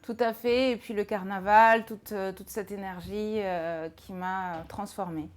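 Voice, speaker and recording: A woman in her thirties, a jewelry designer, answering interview questions calmly and in a measured way. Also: mid-range voice. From France. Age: 30s.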